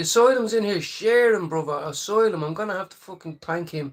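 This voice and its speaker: In an Irish accent, a man talks at a fairly quick pace and a high pitch, with very wide pitch swings. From Ireland. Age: 30s. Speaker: livestreamer. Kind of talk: casual chat. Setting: livestream.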